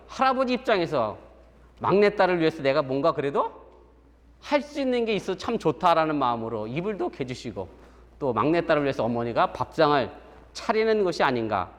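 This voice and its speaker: Middle-aged korean pastor man, chatty storytelling sermon, voice sits a bit high, lots of church hall echo. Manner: chatty, acts out quoted voices, chuckles at his own stories. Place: church sanctuary. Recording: long church hall reverb.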